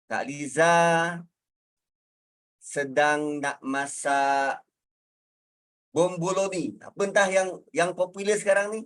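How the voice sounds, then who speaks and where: A man's voice: on the high side, flat delivery, slow, long pauses, fairly bright tone. A man with a Malaysian Malay accent giving a conversational religious lecture. He explains word meanings through everyday examples. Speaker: religious teacher.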